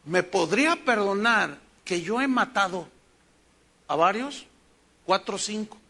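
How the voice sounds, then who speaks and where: A man's voice: sits high, expressive, a little slow, bright, forceful tone, heavily acted. A man voicing a huge, remorseful northern cowboy who has killed people, asking in broken, pleading questions whether he can be forgiven.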